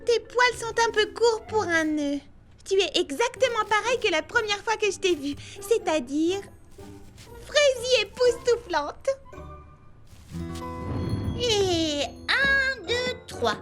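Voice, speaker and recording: A perky, affectionate cartoon girl, gushing in a very high voice. She draws out her words slowly and melodically over clear music. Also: animated, full character voice. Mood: coaxing. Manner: gushing, coaxing. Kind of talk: French-dubbed children's cartoon acting. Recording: music behind the voice.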